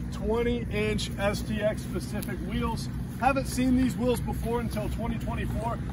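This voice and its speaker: Loud background noise runs behind a man's voice. The sound is dry, with no echo. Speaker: car salesman. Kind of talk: vehicle walkaround presentation. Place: open country.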